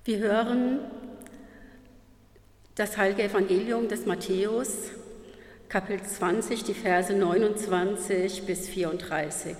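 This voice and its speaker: A woman reading a Bible passage aloud in a slow, solemn liturgical manner. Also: mid-range voice, fairly even intonation, a little mellow. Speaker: scripture reader. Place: church hall. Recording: roomy hall with long reverb.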